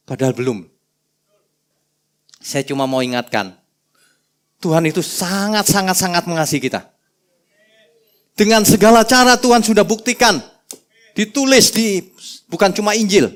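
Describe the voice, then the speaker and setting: A male pastor preaching a sermon with animated, humorous storytelling. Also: high voice.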